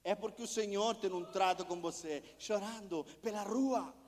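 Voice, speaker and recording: A man's voice: high voice, normal speed. A man, a missionary preacher, delivering an impassioned sermon full of repeated rhetorical questions. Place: church sanctuary. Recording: long church hall reverb.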